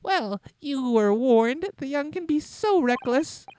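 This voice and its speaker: A man's voice: extremely high pitch, lively intonation, takes it slowly, darkish tone, smooth, no room sound, pitched above the performer's own voice, exaggerated voice. A man voicing a smug, scheming male prosecutor in a video game, theatrical and menacing. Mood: taunting.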